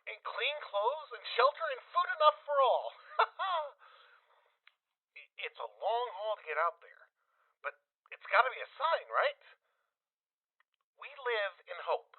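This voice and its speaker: A man acting in an audio drama as a grieving but hopeful father leaving audio logs in a wasteland, halting and tender, through a lo-fi recorder filter. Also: sits high, no room sound, heavily acted. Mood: hopeful resolve. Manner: halting, tender, sometimes dropping to a whisper. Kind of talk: full-cast audio drama, in-world audio log. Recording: tinny band-limited log recording.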